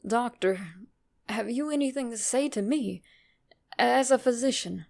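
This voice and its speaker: A woman's voice: fairly high pitch, a little slow, vocal fry, a little mellow. A woman voicing an uneasy, formal man who recounts an uncanny apparition in a dramatic horror reading. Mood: agitated.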